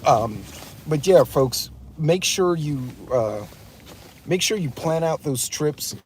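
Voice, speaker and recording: A man's voice: a little high, expressive, takes it slowly, slight background noise. A man hosting a live driving vlog from his pickup truck, giving blunt, ranting road-safety advice to his chat viewers. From West Texas. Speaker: prepper channel host.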